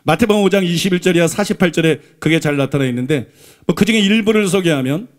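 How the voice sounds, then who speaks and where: A man with a strikingly high voice preaches from the pulpit of a church. He drives each point home by repeating it and keeps turning to the congregation with rhetorical questions. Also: fast talker. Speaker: pastor. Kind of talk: Sunday sermon. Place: church sanctuary.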